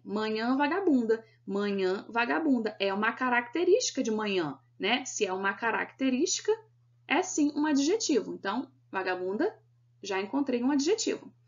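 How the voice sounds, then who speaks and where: The audio is dull, but her voice comes through high-pitched and a bit bright. She's a Brazilian Portuguese speaker giving a recorded video grammar lesson for exam prep, walking through it step by step like a teacher and checking with students via "né?" and "beleza?".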